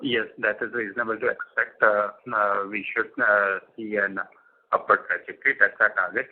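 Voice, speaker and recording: A man's voice: fairly low pitch, little pitch movement, moderate pace. A man answering an analyst as a company executive on an earnings call, speaking off the cuff. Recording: muffled, band-limited conference call.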